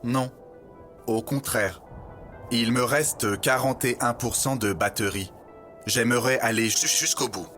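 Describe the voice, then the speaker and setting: A man playing a polite robot guide in an audio documentary drama, speaking in a measured, formal way over music. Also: medium pitch, a bit bright, lightly acted. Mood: hesitant, moved. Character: polite, earnest male robot guide recounting humanity's end. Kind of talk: scripted documentary fiction narration. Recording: music bed behind the voice.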